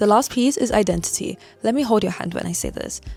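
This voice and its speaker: Music plays in the background. The speaking pace is moderate. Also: woman. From London, England. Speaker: university student and content creator. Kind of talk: motivational talk to camera.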